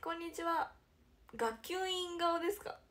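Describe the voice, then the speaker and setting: A young woman hosting a casual livestream chat, giggly and animated, who often drops to a near-whisper. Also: very high voice, measured pace. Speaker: idol livestream host.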